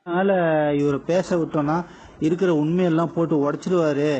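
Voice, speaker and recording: A man's voice: on the high side, fairly even intonation, normal speed, darkish tone, muffled recording, slight background noise. A man with a Tamil accent giving indignant, mocking news commentary in casual speech.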